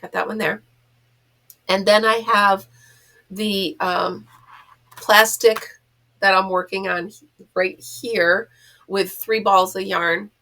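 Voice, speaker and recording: A mature woman hosts a casual vlog in a mid-pitched voice. She sounds congested and nasal, as if pinching her nose. Her talk rambles along in a chatty, self-mocking way. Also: steady tone, slow, long pauses, bright, forceful tone. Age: middle-aged or older, a grandmother. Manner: rambling, self-deprecating, giggly. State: stuffed up from being sick. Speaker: host of a crochet vlog.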